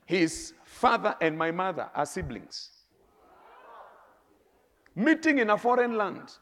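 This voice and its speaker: A middle-aged man with a Kenyan accent, preaching a sermon with lively stories, laughing and swinging between soft and loud. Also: high-pitched, slow pace. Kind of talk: sermon with storytelling.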